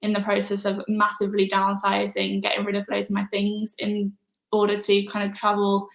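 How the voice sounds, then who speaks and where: A woman answering interview questions in a relaxed, casual way, soft-spoken with frequent pauses and fillers. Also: mid-range voice, creaky. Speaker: interview guest. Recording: echoey room.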